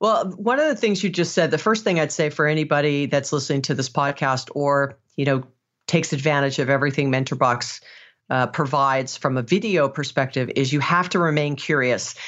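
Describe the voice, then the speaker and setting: Speaking at a fairly quick pace, a woman with a very deep, low voice keeps her loudness very even and her pitch variation ordinary. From Hawaii. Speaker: business author and growth expert. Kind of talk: interview.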